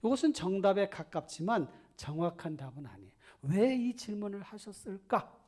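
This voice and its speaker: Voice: medium pitch, sing-song, normal speed, dark tone. Conversational pastor preaching in church. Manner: conversational, addresses the congregation with questions and asides. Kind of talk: sermon.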